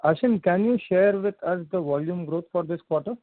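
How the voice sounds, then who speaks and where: A man's voice: sits high, no echo. Muffled man on phone line. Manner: polite, halting, many fillers. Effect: muffled voice, as if through a wall. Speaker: analyst caller on an earnings call. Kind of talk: conference call questions.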